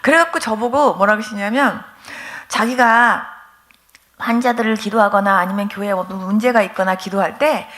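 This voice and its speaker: A woman pastor giving a testimony sermon, telling her story in a lively way and acting out the dialogues. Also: medium pitch, normal speed.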